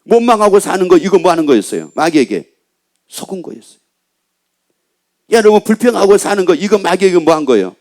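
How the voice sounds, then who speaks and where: A man's voice: high voice, sing-song, fast, darkish tone. A male pastor preaching a Sunday sermon in a church, asking the congregation questions and answering them himself with repeated phrases. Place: church sanctuary.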